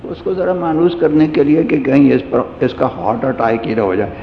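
A man's voice: mid-range voice, animated, creaky, a little hiss or hum. A man giving a sermon, telling a humorous personal anecdote in a storytelling manner. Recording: echoey hall, dull lo-fi sound.

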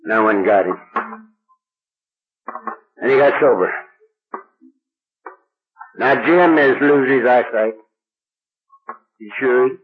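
A man's voice: mid-range voice, takes it slowly, long pauses, narrow, tinny audio. An older man telling a recovery story to a meeting in a folksy, plain-spoken way, acting out the talk of the people in it.

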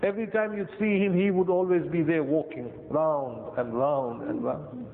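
A man with a South Asian accent giving a Muslim sermon, deliberate, in short phrases with pauses and repetition. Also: fairly even intonation, creaky. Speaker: Muslim preacher. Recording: tinny band-limited echoey hall, rumbly noise.

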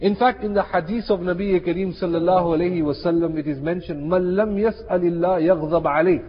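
A muffled recording in a long, echoing hall carries a man preaching. His voice is fairly high and husky, and he drives key phrases home by repeating them, slipping in Arabic and Urdu expressions. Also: fairly even intonation, brisk. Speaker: Muslim preacher. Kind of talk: sermon. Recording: muffled, reverberant hall sound.

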